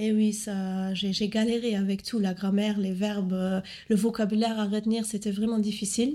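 A woman's somewhat breathy, dark and mellow voice at medium pitch, with a Luxembourgish accent, monotone and flat, at a moderate pace with hardly any pauses, on a very clean recording with a silent background. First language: Luxembourgish (speaking French). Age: 30s. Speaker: primary school teacher. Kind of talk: testimony.

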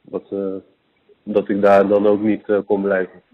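Speaking in a fairly low pitch, a man keeps a moderate pace. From Rotterdam, Netherlands. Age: 20s. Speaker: professional footballer. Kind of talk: interview.

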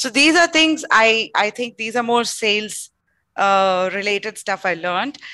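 With a bright, sharp tone and lively intonation, a woman speaks at a moderate pace and a fairly high pitch against a quiet background. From India, Bangalore. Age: 40s. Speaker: career coach and podcaster. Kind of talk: interview.

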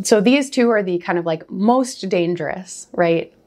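A woman speaks fairly slowly at a medium pitch with ordinary pitch variation, in a normal speaking voice. The background is quiet. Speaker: nurse practitioner and podcast host. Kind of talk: educational monologue. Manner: casual, conversational with filler words.

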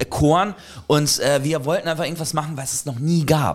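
Over music in the background, a man with a northern German accent and a fairly high pitch speaks with fairly even intonation. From Kazakhstan. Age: 30s. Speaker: spirits company founder. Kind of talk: casual chat.

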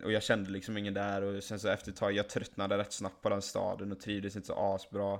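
A man talks fairly quickly at a fairly low pitch. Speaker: podcast host. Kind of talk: casual chat.

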